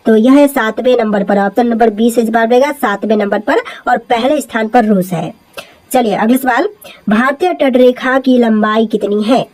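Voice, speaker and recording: Woman, Hindi accent, higher pitch, quiz presenter, steady repetitive delivery. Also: moderate pace, poor audio. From India. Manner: steady repetitive explainer, repeats each answer. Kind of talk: reading out quiz questions and answers.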